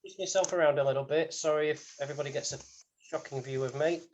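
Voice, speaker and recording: A man's voice: a little high, steady tone, fast, muffled recording. A man co-hosting, talking casually and off the cuff. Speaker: podcast co-host. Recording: faint background noise, clicks.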